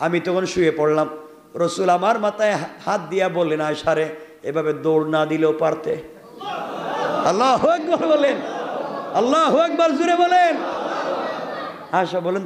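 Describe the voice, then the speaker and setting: Male Bangladeshi preacher, high voice, dramatic storytelling sermon, echoey reverberant hall. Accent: Bangladeshi Bengali. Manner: calls out to the audience, swings to loud cries.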